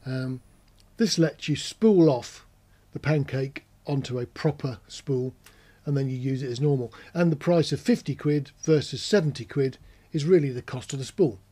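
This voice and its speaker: A man's voice: mid-range voice, normal speed, few pauses, dark tone. A man giving a casual explainer as a presenter, talking in a matter-of-fact, conversational way, step by step. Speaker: presenter of an audio gear channel.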